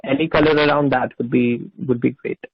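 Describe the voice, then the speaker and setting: A man's voice: mid-range voice, steady tone, brisk, husky, no echo. A man asking questions as an analyst on an earnings call. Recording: dull lo-fi conference phone line.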